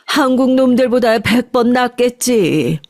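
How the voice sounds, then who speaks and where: A fierce middle-aged mother, firm and raised in pitch, as a woman narrator puts her on. Her words come slow and pressed, recorded close and dry. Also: animated, dry recording. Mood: tender. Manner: shouting, indignant.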